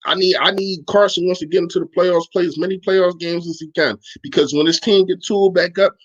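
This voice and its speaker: A man's voice: sits high, steady tone, fairly quick, highs cut off. A man hosting a sports podcast, arguing his points emphatically in casual, slangy chat while answering his live audience.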